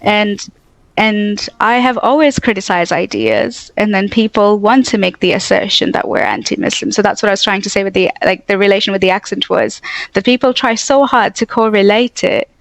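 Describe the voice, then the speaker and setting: A young woman from Tanzania with a mostly American accent tinged with Australian and English, telling stories in a talkative, animated way as a guest in a casual interview. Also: medium pitch, normal speed, dry recording, rough recording. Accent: mostly American with Australian and English touches. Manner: talkative, animated storytelling with many "like" fillers.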